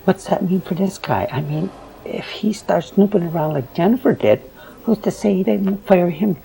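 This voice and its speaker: An actor playing a cynical, fearful newsroom worker in an audio drama, cautioning and lecturing in a hushed manner. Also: male voice, high voice, moderate pace, vocal fry, poor audio. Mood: wary. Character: cynical, fearful male newsroom worker who obeys management.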